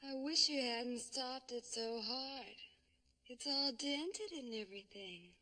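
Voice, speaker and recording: A whiny, petulant guest. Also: female voice, fairly high pitch, animated, slow, pushed and bright, slight background noise, full character voice. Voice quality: whiny and sulky. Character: petulant young woman resort guest. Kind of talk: 1960s TV sci-fi acting.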